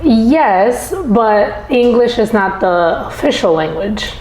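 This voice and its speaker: A woman's voice: on the high side, lively intonation, slow, darkish tone, a little hiss or hum. A woman from the Dominican Republic hosting a casual interview podcast, encouraging her guest and backchanneling often. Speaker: podcast host. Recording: echoey room.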